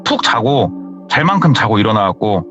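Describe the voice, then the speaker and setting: A man's voice: fairly low pitch, moderate pace, highs cut off, music in the background. A man hosting a horror story radio show, casually retelling a viewer's true story and acting out the characters' lines. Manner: animated, acts out the characters' lines.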